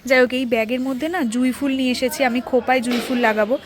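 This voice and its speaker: A woman chats to her viewers in a casual vlog, her voice sitting a little high. She talks directly to the audience. The outdoor temple recording carries a steady hiss of noise. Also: fast talker. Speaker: vlogger.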